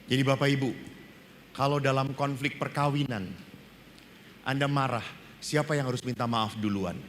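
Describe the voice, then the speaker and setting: A man's voice: medium pitch, normal speed, slight background noise. A man with an Indonesian accent, a Catholic priest giving a humorous sermon and acting out little dialogues. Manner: animated storytelling, acts out dialogue. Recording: reverberant hall, faint ambience.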